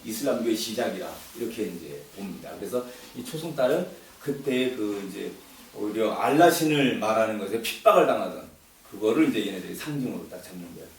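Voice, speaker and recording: With a fairly low, animated voice and a slightly quick pace, a man offers a casual lecture to his audience, peppering his conversational talk with fillers and repetitions. The recording has strong echo, a distant mic, and faint background noise.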